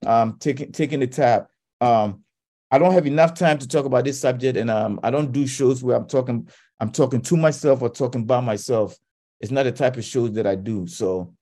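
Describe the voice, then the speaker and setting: A man's voice: medium pitch, dark tone. A man hosting a radio talk show, giving impassioned commentary with stumbling restarts.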